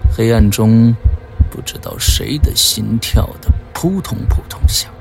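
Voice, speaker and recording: Slow, suspenseful male storyteller. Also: fairly low pitch, animated, gravelly, soft background music. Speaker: narrator.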